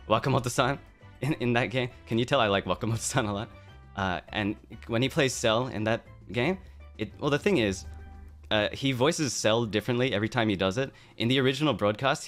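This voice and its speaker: A man's voice: mid-range voice, a bit bright. A man streaming, chatting casually and playfully about his likes and interests, with fillers and asides. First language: English. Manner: playful, mock-tough opening, rambling asides. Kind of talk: casual live-stream chat.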